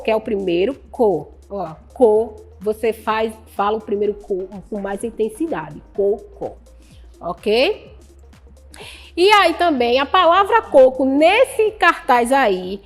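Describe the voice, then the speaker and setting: Brazilian woman teacher, high voice, patient, quizzes and praises students, faint music behind. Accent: Brazilian Portuguese. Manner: patient, asks the class questions and praises answers. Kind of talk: recorded online Portuguese lesson.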